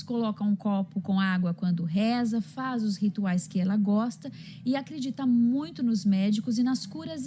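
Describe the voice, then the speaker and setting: A Brazilian woman presents and reads questions from the audience in a courteous, orderly manner. Her voice is slightly high, with a soft, mellow tone. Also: a little hiss or hum. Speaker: host reading audience questions. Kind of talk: programme presenting, reading aloud.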